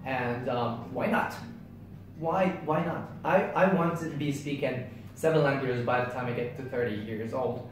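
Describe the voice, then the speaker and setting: A man's voice: mid-range voice, normal speed, heavy reverb, far from the mic, slight background noise, poor audio. A man in his twenties from Yemen whose native language is Arabic, co-hosting a casual chat in an upbeat, eager way. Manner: upbeat and eager, laughs often. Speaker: co-host.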